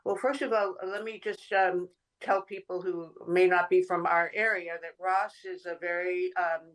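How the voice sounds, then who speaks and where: A woman's voice: on the low side, fairly even intonation, moderate pace, poor audio. A woman from New England hosting a podcast interview, thinking aloud and searching for words. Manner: thoughtful, searching for words with many "um"s. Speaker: podcast host. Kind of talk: conversational interview.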